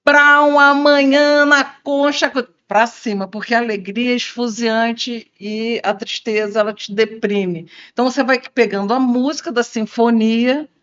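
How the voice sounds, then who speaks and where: A woman's voice: normal speed, few pauses, no room sound. Expert woman, demonstrating tones, dry dull lo-fi recording. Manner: demonstrates intonation, lively shifts between low and high tones. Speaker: speech and voice expert. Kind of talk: explanatory conversation.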